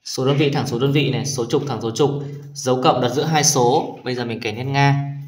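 A man teaching young children math, talking them through each step patiently and often checking that they follow. His voice sits at a middle pitch. The recording carries a noticeable room echo. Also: fairly even intonation, fairly quick, slight background noise. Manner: patient, addresses pupils warmly with tag questions. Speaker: primary school math teacher. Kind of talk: explaining exercises in a video lesson.

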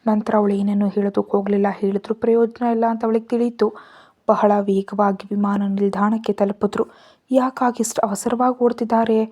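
Mellow-voiced woman narrating a story. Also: level tone, brisk. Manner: acts out both lovers' lines, louder and higher in quarrels.

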